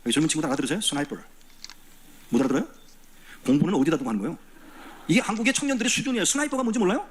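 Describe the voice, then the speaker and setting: Blunt, animated male guest preacher. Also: fairly high pitch, very fast, long pauses, slightly rough. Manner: blunt, teasing the congregation; acts out quoted dialogue. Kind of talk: sermon. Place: church sanctuary.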